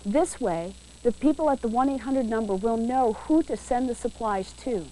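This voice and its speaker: A woman reading a scripted instructional narration for a training video in a clear, measured, instructive way, heard from a worn VHS tape copy. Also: on the high side, warm tone, a little hiss or hum, low-quality recording.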